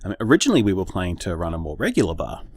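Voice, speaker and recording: An actor playing an earnest gay bar co-owner in a radio drama interview, with an Australian accent and an articulate, measured manner. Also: male voice, sits low, huge pitch swings, darkish tone, breathy edge, no room sound, studio quality, full character voice.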